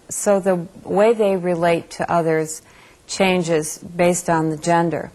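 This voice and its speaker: A woman with a slightly low voice speaks as an instructor. She explains her material in a measured lecture style, addressing learners directly.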